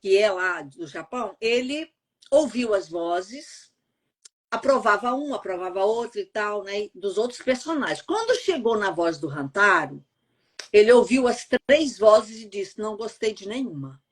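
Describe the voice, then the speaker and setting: A woman's voice: mid-range voice, expressive, measured pace. A middle-aged Brazilian woman from Goiás with a neutral accent, chatting casually in an interview over a call and often tagging sentences with "né?". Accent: neutral Brazilian Portuguese, no regional accent. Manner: chatty, frequent "né?" tags, laughs easily. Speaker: voice actress and translator, podcast guest. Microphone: remote call.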